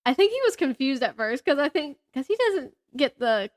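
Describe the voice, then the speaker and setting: A woman's voice: high voice, big pitch swings, moderate pace. A woman in her thirties chatting casually about books as a podcast co-host, giggly and gushing. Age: 30s.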